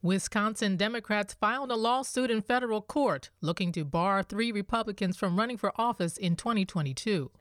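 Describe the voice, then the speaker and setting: A reporter reading scripted news in a clear, formal way. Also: medium pitch, fairly quick, few pauses, a bit bright, no echo, clean studio sound.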